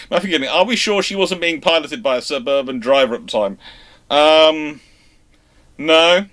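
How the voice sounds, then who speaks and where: A man's voice: on the high side, measured pace, a bit bright. Casual man hosting a livestream discussion. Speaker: host of a naval history livestream. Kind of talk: casual chat answering listener questions.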